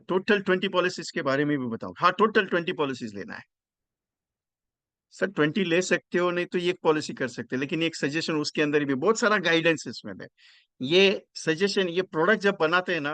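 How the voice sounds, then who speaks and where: Higher-pitched man teaching insurance sums. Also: fairly bright tone, dry recording. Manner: mixes English into explanation, repeats phrases for emphasis; works through numbers step by step, asking the audience questions. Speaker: insurance sales trainer. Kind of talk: online training session.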